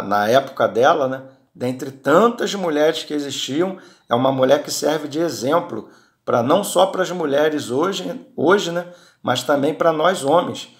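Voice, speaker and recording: Male preacher, mid pitch with a gravelly edge, conversational Bible teaching with frequent restarts. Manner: frequent tag questions and restarts.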